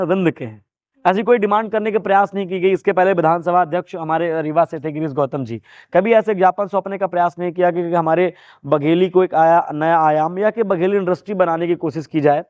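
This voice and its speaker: A man's voice: high voice, darkish tone, dry recording, highs cut off. A man hosting an interview, asking long formal questions with many hesitations, with a Bagheli-region Hindi accent. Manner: halting, many fillers, formal wording. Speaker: interviewer, host.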